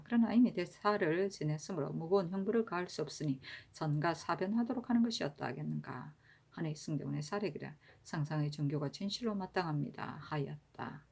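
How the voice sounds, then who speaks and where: A woman reading historical court annals aloud in a steady, even-paced, formal manner. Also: fairly low pitch. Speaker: reader of historical records.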